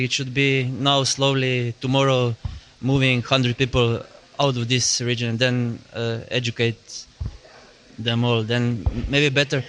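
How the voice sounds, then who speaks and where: A man thinks aloud at a roundtable, filling pauses as he goes. He speaks at a mid pitch with very little melody. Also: fairly bright tone. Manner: hesitant, many fillers. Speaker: roundtable participant. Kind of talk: casual roundtable discussion.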